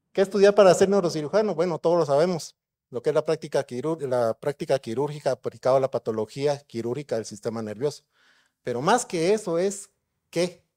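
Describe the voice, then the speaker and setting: A man's voice: on the high side, dark tone. A middle-aged man, a neurosurgeon giving a conference lecture in a conversational way and putting rhetorical questions to the audience. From Guatemala.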